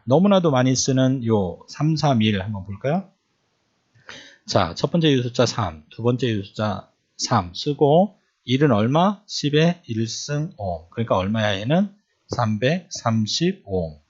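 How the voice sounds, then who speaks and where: An electronics instructor teaches in lecture style, with a mid-range, slightly mellow, husky voice. He often repeats points and quizzes listeners with questions. The recording is dull and lo-fi.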